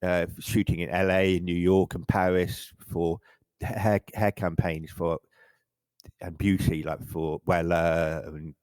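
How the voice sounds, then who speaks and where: A middle-aged English man with a very low voice, chatting casually as an interview guest. He rambles and often restarts his sentences. The sound is close and dry. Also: flat delivery, unhurried, a little mellow, smooth, dry recording. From England. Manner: rambling, self-correcting, frequent stammered restarts. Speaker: photographer guest.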